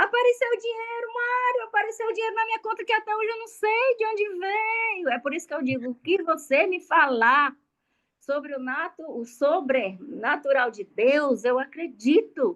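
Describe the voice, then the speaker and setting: A woman's extremely high voice, animated, with very wide pitch swings at a moderate pace. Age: 60s. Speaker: devotional group participant. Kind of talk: testimony.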